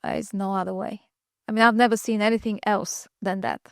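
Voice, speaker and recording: A woman's voice: mid-range voice, steady tone, fairly quick, no room sound, studio quality. A woman hosting a podcast interview over a video call, asking open questions and often murmuring agreement. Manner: warm encouraging questions, frequent short agreements. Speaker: podcast host.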